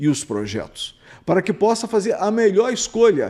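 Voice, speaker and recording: A dark, mellow tone at a moderate pace, on a very clean recording over a silent background. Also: man. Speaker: mayoral pre-candidate. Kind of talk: political interview.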